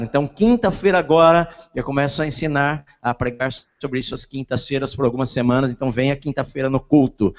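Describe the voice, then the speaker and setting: A Brazilian man preaching a sermon as a pastor, talking with his mouth barely open. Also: medium pitch. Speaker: pastor preaching at a church service. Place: large indoor church hall during a service. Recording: muffled, reverberant large church hall.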